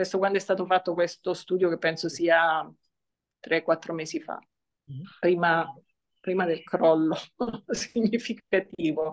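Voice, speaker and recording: Against a quiet background, a woman talks at a fairly slow pace with long, frequent pauses, a fairly low pitch, fairly even intonation and big swings in loudness. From Italy. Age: 60s. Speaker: economist; guest. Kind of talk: interview. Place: home room. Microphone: video call.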